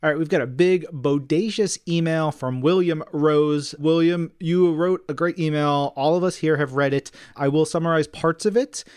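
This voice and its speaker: Higher-pitched man hosting an enthusiastic podcast. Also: steady tone, moderate pace, hardly any pauses, darkish tone, clear, resonant tone, no room sound, studio quality. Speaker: podcast co-host. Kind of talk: casual chat and reading listener mail.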